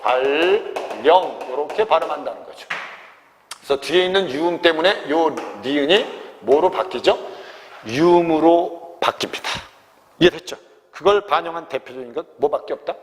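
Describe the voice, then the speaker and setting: A man's voice: on the high side, normal speed. Man, grammar teacher, exam lecture, frequent comprehension checks, faint background hiss, long room reverb. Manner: constant check-ins asking if students understood; refers to himself as teacher in third person. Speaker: Korean language teacher.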